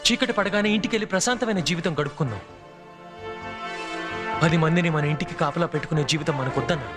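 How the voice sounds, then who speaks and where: An actor playing an earnest, loyal young hero in an action film, speaking with emotional, imploring urgency. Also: male voice, on the high side, quick pace, close to an everyday voice. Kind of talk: Telugu action film drama acting. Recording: film soundtrack with loud music behind.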